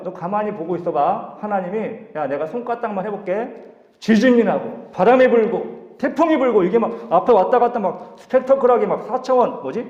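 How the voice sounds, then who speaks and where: A man preaching a sermon to a youth service, lively and acting out voices in dialogue. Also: high-pitched. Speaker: youth pastor. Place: church sanctuary. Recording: echoey hall, dull lo-fi sound.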